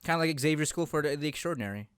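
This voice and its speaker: A man's voice: on the high side, lively intonation, racing, smooth, dry recording. A man in his twenties co-hosting a casual unscripted chat, rambling and often repeating his words. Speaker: podcast co-host.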